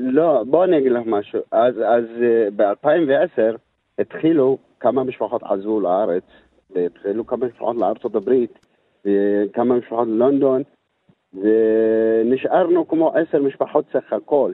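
A man with a Yemeni accent, medium-pitched, very slow in pace, with ordinary pitch variation. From Yemen, Amran. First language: Yemeni Arabic (speaking Hebrew). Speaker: community leader and ritual slaughterer. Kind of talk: interview testimony. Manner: halting.

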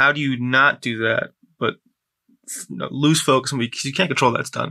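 With a bright, sharp tone and fairly even intonation, a man speaks at a very fast pace. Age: 20s. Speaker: podcast host. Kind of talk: podcast interview.

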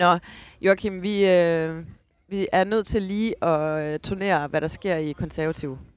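Speaking at a very slow pace, a woman keeps a fairly low pitch and fairly even intonation. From West Jutland, near Varde. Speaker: podcast co-host, political journalist. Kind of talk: casual political chat. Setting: in a car. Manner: hesitant, many fillers.

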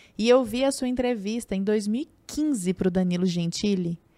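Recorded very cleanly against a silent background, a woman speaks in a dark, mellow tone with ordinary pitch variation. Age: 30s. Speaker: podcast host. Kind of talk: casual chat.

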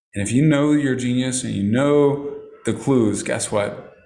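A man speaks at a fairly slow pace with ordinary pitch variation. He has a normal speaking voice. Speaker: business mentor and author. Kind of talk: interview conversation.

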